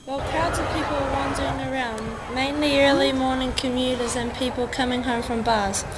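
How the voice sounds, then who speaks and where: An alarmed outdoor reporter, played by a New woman, giving urgent commentary in a high voice. Clear background noise runs behind it. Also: flat delivery, normal speed, natural voice. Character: field reporter Paige, alarmed.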